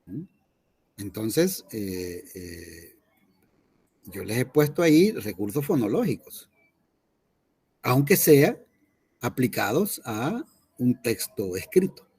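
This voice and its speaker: A man's voice: medium pitch, big pitch swings, takes it slowly, long pauses, a little mellow, breathy edge. A man, a teacher lecturing his class in an online lesson, explaining patiently and often checking in with his students.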